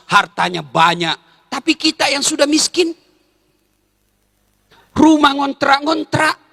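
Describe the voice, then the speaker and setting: A man's voice: extremely high pitch, vocal fry, sharp tone, in a large hall. A middle-aged male preacher, giving a joking sermon to a crowd and breaking into song.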